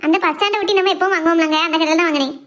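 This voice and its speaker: A woman's voice: very high voice, very fast, fairly bright tone. A woman voicing a tired, affectionate, grumbling village mother in a cartoon, chattering in a Tirunelveli Tamil accent. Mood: tired, complaining. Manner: colloquial, chattering, complaining. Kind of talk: homemade cartoon family drama.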